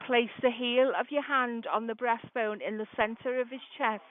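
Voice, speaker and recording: A woman working as an emergency dispatcher, calmly and methodically giving step-by-step first aid instructions over the phone with an encouraging manner. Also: on the high side, normal speed. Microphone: telephone call. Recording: narrow, muffled emergency phone line.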